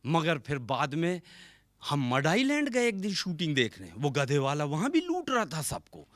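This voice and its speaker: Animated high-pitched male stage comic. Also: no room sound. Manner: animated, acts out quoted characters with sudden pitch jumps; drawn-out sing-song recitation of verse lines. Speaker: stand-up comic poet. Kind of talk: stage comedy storytelling.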